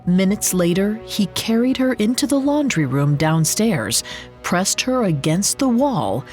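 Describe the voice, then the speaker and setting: A woman co-hosting a podcast, telling scripted true-crime stories in an expressive storytelling manner. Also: medium pitch, measured pace, faint music behind. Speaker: podcast co-host.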